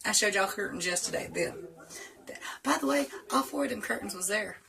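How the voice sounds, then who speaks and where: A woman's voice: medium pitch, animated, a little fast, vocal fry, pushed and bright. A woman in her late thirties with a Southern US accent, chatting casually and laughing often while answering tag questions. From North Carolina. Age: 30s. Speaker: vlogger.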